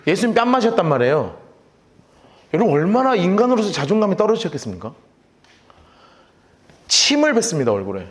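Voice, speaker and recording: A man's voice: sits high, wildly swooping pitch, quick pace, long pauses. A man preaching a sermon as pastor, telling the story dramatically and speaking directly to the children in the room.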